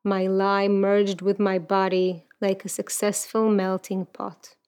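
A woman in her thirties from Ukraine who grew up speaking Russian, sitting as an interview guest. She speaks in a middle-pitched voice, earnest and reflective, often restarting her sentences as she searches for words. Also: monotone, slow pace, darkish tone, smooth. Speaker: guest, activist and poet. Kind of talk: personal interview talk and poetry recital.

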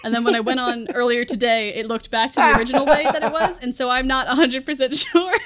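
A woman's voice: sits high, steady tone, fast talker, a loud crowd. A woman hosting a podcast, talking casually about a movie in a chatty, jokey way with frequent laughter. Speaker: podcast host.

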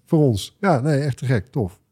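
A man co-hosting a podcast in casual chat, halting and repeating words as he goes. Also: medium pitch, animated, mellow, husky. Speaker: podcast co-host.

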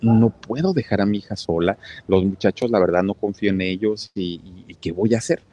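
Guy doing a worried broke dad mailman, kinda husky low voice. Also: fairly quick, mellow, lo-fi sound, natural voice. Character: poor hard-drinking father working as a mailman.

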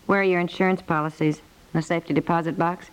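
An actress playing a practical, needling, dryly sarcastic wife in a 1950s radio comedy. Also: female voice, lowish voice, fairly even intonation, fast talker, clear, resonant tone, natural voice, low-quality recording. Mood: dryly pointed. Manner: incredulous, wry nagging.

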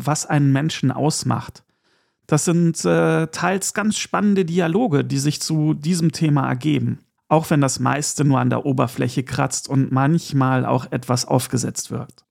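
Gravelly German man hosting a podcast. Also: a little high, darkish tone. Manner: chatty and enthusiastic, with asides and small laughs. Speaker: podcast host. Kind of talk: casual podcast talk.

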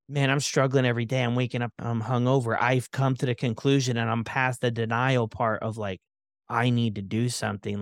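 A man hosting a podcast, chatty and relaxed, often tagging "right?" onto his points. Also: mid-range voice, dry recording, clean studio sound. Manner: relaxed, chatty, leans on fillers like "right?" and "you know". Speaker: podcast host. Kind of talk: conversational interview.

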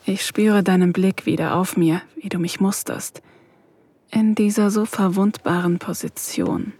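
A nervous, yearning young student narrates in the first person in soft, breathy whispers. She speaks slowly into a close, dry mic for an intimate audio drama. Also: mid-range voice, no echo.

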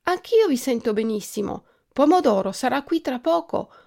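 A woman doing a tiny high strawberry girl. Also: very animated, normal speed, vocal fry, darkish tone, full character voice. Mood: urgent.

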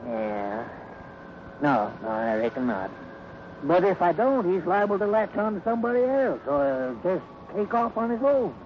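An actor playing an easygoing, kindly drifting cowboy with an American Western drawl and a hesitant, homespun manner, in a 1950s radio western. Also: male voice, sits high, very animated, unhurried. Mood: worried. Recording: muffled, noisy old radio recording.

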